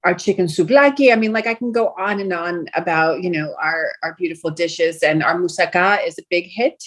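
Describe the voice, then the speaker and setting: A woman's voice: on the low side, brisk. A middle-aged woman from Brooklyn, whose was Greek, chatting as a restaurant owner in a podcast interview with many fillers and restarts. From Brooklyn, New York. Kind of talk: casual interview chat.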